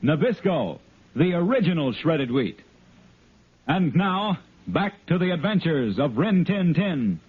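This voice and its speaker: A man's voice: a little high, big pitch swings, a little slow, husky. A man announcing a 1950s radio show and its commercial in a hearty, upbeat way. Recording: tinny old radio broadcast.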